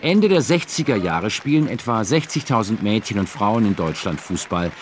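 A man's voice: on the low side, very animated, moderate pace, heavy background noise. A man reading scripted documentary narration.

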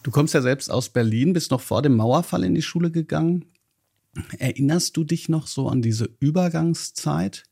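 A man's voice: a little high, normal speed, vocal fry, darkish tone, husky. A man hosting an interview, asking long, winding questions full of asides. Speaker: podcast host, interviewer.

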